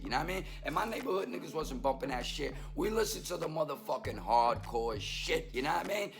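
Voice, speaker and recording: A man hosting his own vlog, ranting bluntly and streetwise with heavy swearing, his voice hoarse from losing it. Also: mid-range voice. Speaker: vlog host. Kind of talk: casual profane rant to camera.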